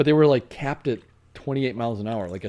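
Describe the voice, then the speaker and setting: Talking at a very fast pace, a man uses a medium pitch and a Chicago accent. His tone is dark and mellow. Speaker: e-bike builder and live stream co-host. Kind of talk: casual live stream chat. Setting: live stream.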